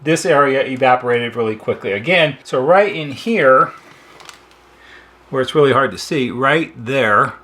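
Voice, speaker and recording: A man's voice: medium pitch, measured pace, bright, forceful tone. An American man giving an informal, hands-on repair walkthrough as a technician, explaining step by step in a conversational way. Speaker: electronics repair technician demonstrating.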